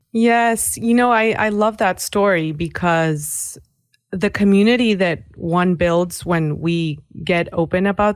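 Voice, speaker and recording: Recorded very cleanly against a silent background, a woman talks with fairly low pitch and ordinary pitch variation. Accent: Spanish. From Mexico, Guadalajara. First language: Spanish. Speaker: recovery advocate, former podcast host. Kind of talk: podcast interview.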